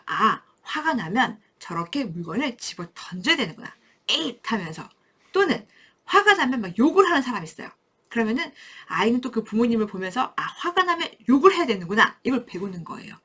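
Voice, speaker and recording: A woman giving a parenting lecture to camera, explaining things warmly and acting out short quotes from parents and children. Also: on the high side. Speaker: parenting educator. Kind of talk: talking-head parenting lecture.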